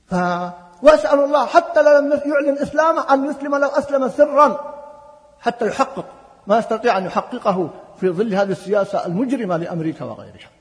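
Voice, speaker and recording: A man giving a religious lecture and answering audience questions, speaking emphatically and building to forceful appeals. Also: very high voice, animated, quick pace. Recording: long hall reverb.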